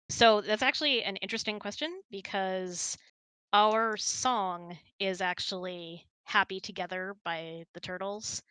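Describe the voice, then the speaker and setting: A woman's voice: mid-range voice, bright, forceful tone, clean tone, no echo. A woman hosting, chatting casually and telling personal stories in a conversational way. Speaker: host.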